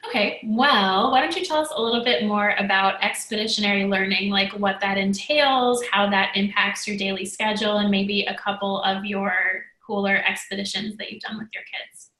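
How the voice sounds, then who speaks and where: A woman host asks her guest questions in an upbeat, enthusiastic way. Her voice is bright and forward. The room around her sounds echoey. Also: mid-range voice, steady tone, moderate pace, hardly any pauses. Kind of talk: casual video interview.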